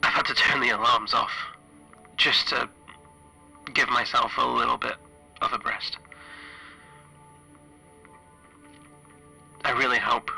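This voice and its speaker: Man voicing a weary spaceship engineer, bright flat-pitched voice. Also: creaky, slightly rough, soft background music, heavily acted. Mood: exhausted, strained. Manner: halting, deliberate, with long heavy pauses. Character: stranded male spaceship flight engineer, weary, grieving lone survivor. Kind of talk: in-character audio log for a solo horror tabletop game.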